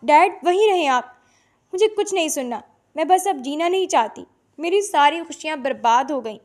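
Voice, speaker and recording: A woman's voice: very high-pitched, expressive, pitched above the performer's own voice. A woman voicing a heartbroken young woman who screams and cries in an audio story. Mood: distraught. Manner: tearful, screaming.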